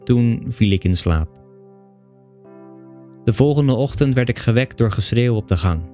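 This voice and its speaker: A man reading a bedtime story aloud in calm, even scripted narration with a dry, understated manner. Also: medium pitch, unhurried, faint music behind. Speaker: audiobook reader.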